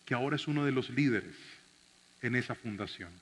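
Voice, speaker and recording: A male pastor telling a story in a sermon, dramatic, swinging from shouts to hushed tones. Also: medium pitch, fairly quick, slightly rough. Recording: reverberant hall.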